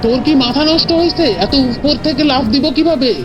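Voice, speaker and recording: Music bed, woman doing sceptical bossy cartoon boy, high-pitched, scolding, colloquial. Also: fast talker, highs cut off, natural voice. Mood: urgent. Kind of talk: animated cartoon dubbing.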